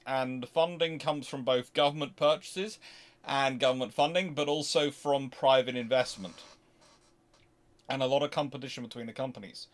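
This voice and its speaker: A man hosting an unscripted history question-and-answer stream, talking casually in a halting, digressive way and often correcting himself. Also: medium pitch. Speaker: history livestream host.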